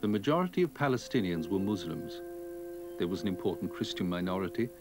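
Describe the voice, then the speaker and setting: A man giving a measured, formal scripted narration for a documentary. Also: low-pitched, very animated, over music.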